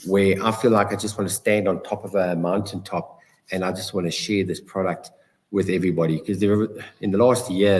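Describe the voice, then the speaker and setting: A man's voice: sits low, a little mellow. A South African man, a guest in a casual interview, recounting events and acting out the dialogue he quotes.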